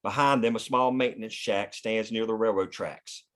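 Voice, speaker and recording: A man's voice: on the low side, steady tone, moderate pace. A man reading scripted stage directions as the narrator of a screenplay table read.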